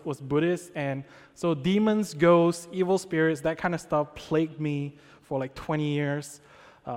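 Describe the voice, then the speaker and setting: A young man from Malaysia preaching in a church in a casual, conversational way, checking in with the congregation often. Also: a little high. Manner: conversational, with many fillers and check-ins. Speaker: pastor. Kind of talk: sermon. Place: church sanctuary. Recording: long hall reverb.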